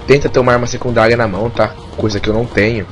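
Talking very fast with a steady tone at medium pitch, this Portuguese-speaking Brazilian man gives laid-back commentary on his let's play. He sounds strained, like his throat is inflamed and tonsils swollen, and faint music plays behind him.

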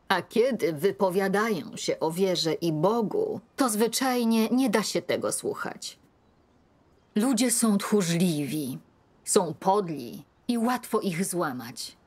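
A middle-aged woman in a dubbed film, reading a religious text aloud at a home table in a slow, earnest way. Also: lowish voice, slightly rough, exaggerated voice. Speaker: older woman leading a scripture reading.

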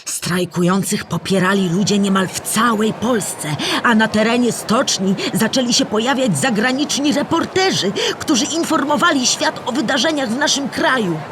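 Actress as clear-spoken female storyteller for children. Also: a little high, normal speed, background noise, natural voice. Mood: explanatory, measured. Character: Historyjka, female storyteller explaining Polish history to children. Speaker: narrator of a children's audio drama. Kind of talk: scripted educational narration for children.

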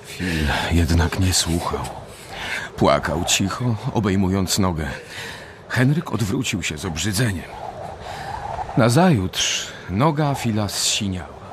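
A man narrating a dark story as a scripted radio drama. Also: sits low, lively intonation, slow pace, background noise.

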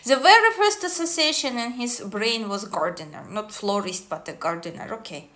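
A woman, talking casually to the camera in deliberate, halting English. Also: on the high side, expressive, sharp tone. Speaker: online esoteric coach. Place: small indoor room, seated at a table.

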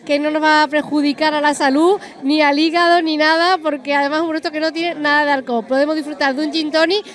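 Effusive high-voiced woman reporter. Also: little pitch movement, fast, a bit bright. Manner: chatty, effusive, self-aware talker. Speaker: event reporter. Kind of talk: event interview. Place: busy restaurant event indoors. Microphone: handheld mic.

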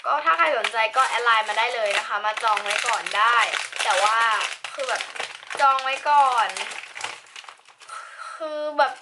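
A teenage girl with a high, light voice talks through an unboxing in a polite, chatty way, trailing off and restarting as she goes. The recording is noisy, with wrapping crinkling and clicks behind her. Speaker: unboxing vlogger. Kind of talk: casual product review. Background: crinkling packaging and clicks.

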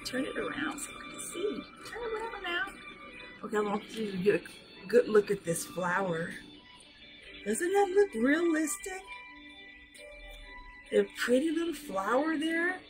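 A middle-aged woman with a hoarse, somewhat high voice chats slowly while showing off jewelry on a live sales stream. She talks into a webcam at arm's length in a small room. Faint music plays behind her. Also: big pitch swings, low-quality recording. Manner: chatty, slow, showing items up close. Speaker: jewelry seller. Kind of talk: live sales show chat. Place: small decorated room indoors.

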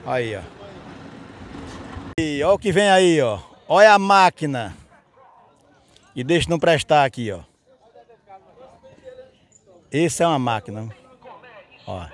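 Higher-voiced Northeastern Brazilian man hosting outdoors. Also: lively intonation, measured pace, long pauses. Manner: repeats stock catchphrases, addresses people familiarly. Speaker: host, market reporter. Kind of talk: casual on-location vlog commentary and interviewing. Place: outdoor dirt-lot livestock market with trucks.

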